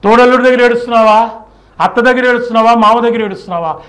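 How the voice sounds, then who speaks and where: Male preacher, high-pitched voice; fervent, emphatic exhortation in a church sermon style. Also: steady tone, rapid-fire, fairly bright tone. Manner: exhortatory, emphatic, repetitive rhetorical questions.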